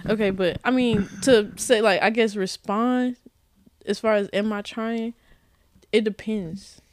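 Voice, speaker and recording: A woman's voice: mid-range voice, steady tone, unhurried, a little hiss or hum. A woman with an African American English accent chatting casually as an interview guest, frank, slangy and swearing freely. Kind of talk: casual chat.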